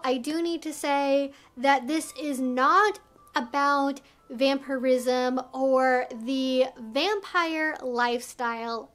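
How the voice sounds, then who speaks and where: High-voiced woman explaining to viewers. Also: fairly bright tone. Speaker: video host. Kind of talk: explanatory educational vlog, talking to viewers.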